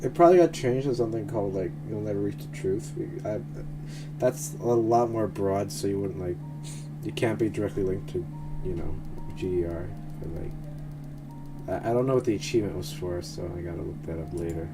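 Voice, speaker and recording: A man's voice: fairly low pitch, fairly quick, low-quality recording. A man streaming a game, chatting casually and rambling with frequent laughs. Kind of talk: casual live-stream commentary while gaming. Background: game music.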